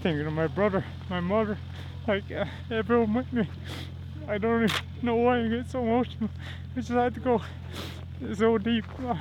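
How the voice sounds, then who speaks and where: A man from Ireland speaks in a high, eager voice, fast and emotional in short bursts. It sounds like an outdoor field recording, slightly muffled, with loud wind and ambience behind him. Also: fairly even intonation. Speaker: marathon runner. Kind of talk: emotional post-race interview. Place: outdoors on snow.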